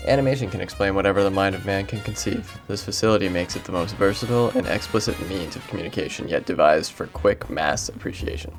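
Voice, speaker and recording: A man's voice: sits low, quick pace, few pauses. A man giving a scripted reading of quotations as a guest voice actor. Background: instrumental music.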